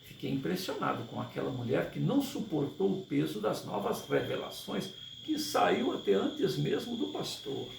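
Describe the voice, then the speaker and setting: A man's voice: on the high side, big pitch swings, normal speed, creaky, few pauses, roomy sound, far from the mic, a little hiss or hum, full character voice, low-quality recording. A man reading the lines of an admiring, brotherly friend who talks on at length.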